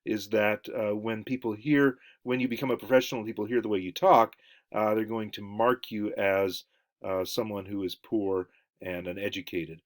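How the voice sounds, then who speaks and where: A man giving a lecture, halting with many fillers and restarts. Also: lowish voice, little pitch movement. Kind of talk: recorded lecture.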